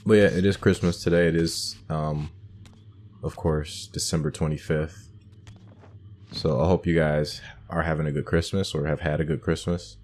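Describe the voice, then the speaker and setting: A man's voice: a bass voice, fairly even intonation, normal speed, darkish tone, slight background noise. A man giving casual gameplay commentary as host of a playthrough, hesitant and thinking aloud. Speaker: gamer hosting a playthrough.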